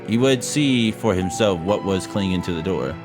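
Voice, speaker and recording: A man with a low voice reads a horror tale aloud like a game streamer. He narrates dramatically, then drops into casual, sweary commentary and trips over words now and then. Loud music plays behind him. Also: expressive, normal speed. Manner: casual, profane, interjecting, stumbles over reading. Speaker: streamer reading a visual novel aloud. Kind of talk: dramatic ghost-story read-aloud with casual asides.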